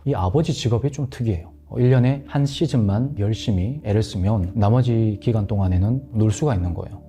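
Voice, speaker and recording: Male storyteller, low mellow voice, hushed and dramatic, faint music underneath. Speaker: guest storyteller on a horror talk show. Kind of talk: spoken ghost-story telling.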